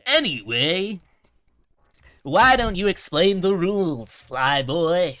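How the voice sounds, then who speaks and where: Undead game show host, gleeful menace, bright forceful voice, swooping delivery, theatrical. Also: male voice, sits high, expressive, dry recording, clean studio sound, heavily acted. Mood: gloating. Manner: showy, drawn-out presenter delivery.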